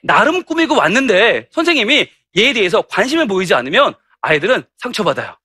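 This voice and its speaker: A middle-aged male pastor giving a lively, humorous lecture to church teachers, acting out stories. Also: high voice, fast talker, breathy edge, no room sound. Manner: animated and humorous, acting out anecdotes.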